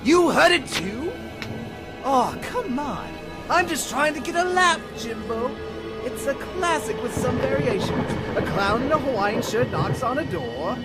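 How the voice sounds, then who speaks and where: An actor playing a sadistic, theatrical clown villain who taunts like a stage comedian in an audio drama. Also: male voice, very high-pitched, expressive, a little slow, loud music behind the voice. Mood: manic glee.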